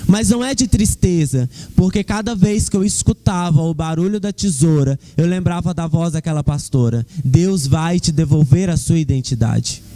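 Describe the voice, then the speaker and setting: A man's voice: a little high, moderate pace, hardly any pauses, mellow. A young man giving a fervent church testimony, speaking directly to the congregation. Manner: fervent, addresses the congregation as "queridos".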